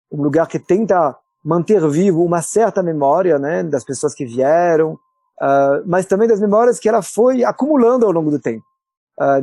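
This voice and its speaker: A man's voice: fairly high pitch, dark tone, no room sound. A man from France speaking with a French accent, a podcast guest who explains things thoughtfully with frequent hesitations. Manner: thoughtful, many filler "ah" hesitations. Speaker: guest, cultural center director. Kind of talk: podcast interview.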